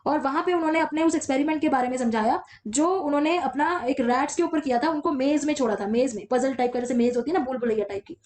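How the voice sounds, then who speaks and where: A woman teaching an exam-prep lecture, explaining step by step and slowly reading out English textbook lines between her own explanations. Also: sits high, a little mellow.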